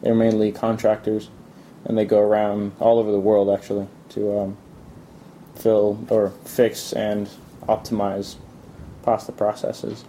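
Young man from Italy, low and dark, halting interviewee. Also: monotone, a little hiss or hum, low-quality recording. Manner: hesitant, many ums and restarts. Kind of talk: casual interview answers.

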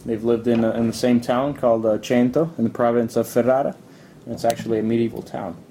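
Young man from italy, very dark mellow tone, halting speech, faint rumble. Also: flat delivery. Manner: hesitant, many ums and restarts. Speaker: interviewee. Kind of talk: casual interview answers.

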